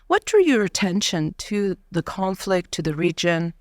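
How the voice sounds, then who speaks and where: A woman hosting a podcast interview, speaking in a measured way with frequent fillers and soft laughs. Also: on the low side, sing-song, no echo, clean studio sound. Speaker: podcast host. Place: university studio.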